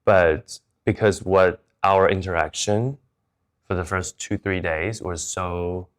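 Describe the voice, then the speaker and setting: A man's voice: low voice, steady tone, slow pace. A man from Taiwan who moved to Chicago, talking candidly and conversationally as an interview guest.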